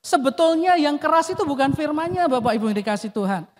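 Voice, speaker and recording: A man's voice: very high voice, fast, slight background noise. A male pastor preaching a sermon, emphatic, often addressing the congregation and dropping his voice at the end of phrases. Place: church hall. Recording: long reverb of a church hall.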